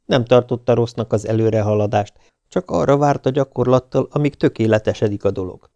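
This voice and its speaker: A man reading an audiobook in an even, measured way. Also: medium pitch, dry recording, lo-fi sound. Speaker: audiobook narrator. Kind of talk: audiobook narration.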